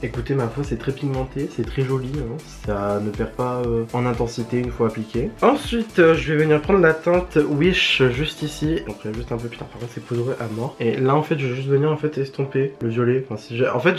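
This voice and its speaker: A man chatting casually through a makeup tutorial, joking and filling pauses as he works. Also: mid-range voice, soft background music. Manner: chatty, joking, lots of fillers. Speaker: beauty vlogger.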